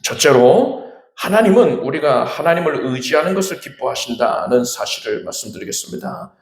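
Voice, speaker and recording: A man preaching a Sunday sermon as pastor, dramatic, with sudden shouts and big swings in pitch. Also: animated, normal speed. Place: church sanctuary. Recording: echoey church hall.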